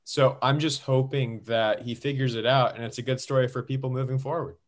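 This is a man from California co-hosting a sports talk show in an ordinary mid-range voice. He speaks earnestly and reasons out loud, with plenty of casual fillers along the way. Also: medium pitch, steady tone, brisk. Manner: earnest, thinking aloud with many fillers. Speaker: co-host.

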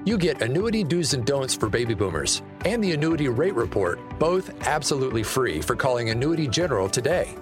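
A man's voice: medium pitch, big pitch swings, fairly quick, hardly any pauses, music in the background. A man reading a scripted radio advertisement in an upbeat, salesy way. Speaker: ad announcer.

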